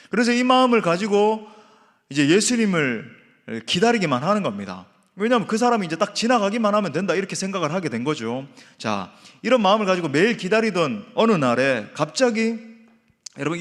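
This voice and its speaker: Male preacher, high and animated, emphatic rhetorical delivery, echoing church hall. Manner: emphatic, rhetorical questions, addresses the congregation often. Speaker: senior pastor. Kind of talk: sermon. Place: church sanctuary.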